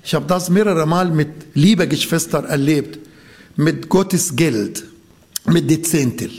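High-voiced man preaching slowly. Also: vocal fry, darkish tone. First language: Arabic. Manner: earnest, repeats key phrases, non-native grammar. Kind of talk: sermon.

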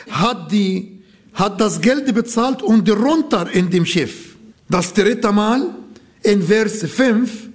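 Guy preaching, earnest, says things twice, kinda high voice. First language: Arabic. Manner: earnest, repeats key phrases, non-native grammar. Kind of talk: sermon.

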